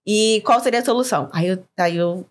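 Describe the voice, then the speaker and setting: A young woman from Brazil with a Rio de Janeiro accent, telling a story as a podcast guest in an animated way, laughing often and acting out quoted lines. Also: mid-range voice, fairly quick. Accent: Rio de Janeiro Portuguese. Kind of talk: casual storytelling.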